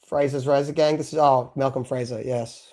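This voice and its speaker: A man's voice: mid-range voice, fairly even intonation, normal speed, mellow. A man co-hosting a live stream podcast, talking casually and rambling with lots of fillers. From abroad, moved to Australia at three. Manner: chatty, rambling with many fillers. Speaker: podcast co-host.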